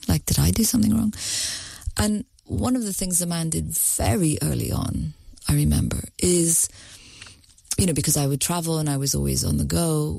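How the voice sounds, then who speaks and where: A woman who grew up in the Middle East, telling a personal story in a measured, thoughtful way as an interview guest. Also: low-pitched, gravelly, mellow, husky, dry recording. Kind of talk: reflective personal account.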